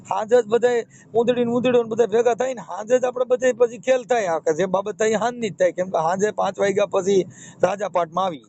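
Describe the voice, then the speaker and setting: A man's voice: sits high, steady tone, fast, vocal fry, darkish tone. A man with a Saurashtra Gujarati accent giving advice on a phone call, explaining step by step and repeating himself. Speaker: phone counselor and marriage mediator. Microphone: telephone. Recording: muffled, noisy phone call recording.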